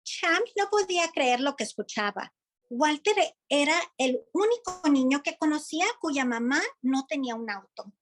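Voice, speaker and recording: A woman's voice: sits high, animated, a little fast. A woman reading a children's story aloud, as a narrator for young listeners. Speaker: Spanish translator-reader of a children's book.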